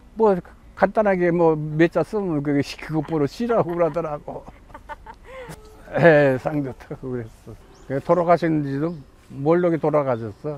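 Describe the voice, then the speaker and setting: Over noticeable background noise, a man with a fairly high voice speaks at a fairly slow pace, showing ordinary pitch variation and long, frequent pauses. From South Korea, Geumsan, Chungcheong. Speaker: elderly interviewee telling life story. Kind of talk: oral history interview. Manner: halting, with false starts.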